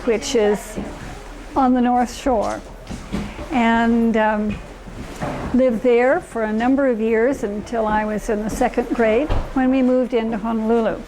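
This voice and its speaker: A woman's voice: fairly high pitch, fairly even intonation, unhurried, background noise. An older woman from Hawaii, reminiscing fondly and rambling a little as she searches for words. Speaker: interviewee. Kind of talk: personal reminiscence.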